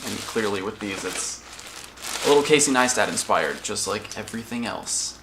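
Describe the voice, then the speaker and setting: A man's voice: lowish voice, animated, moderate pace. A man hosting his own vlog, talking casually and rambling to the camera with self-aware asides. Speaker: vlogger and channel host. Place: in stores and a car, noisy surroundings. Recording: noisy background with ambience.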